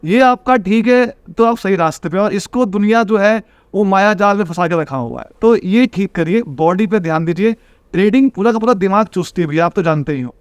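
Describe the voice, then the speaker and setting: A man from Bihar speaks with a notably high, smooth voice, recorded close and dry. He is an earnest guest who gives advice and talks through his lessons. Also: fairly quick, no echo. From Bihar, India. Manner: earnest, advice-giving, calls the host brother. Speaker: trader and IIT coaching teacher, podcast guest. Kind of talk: casual interview talk.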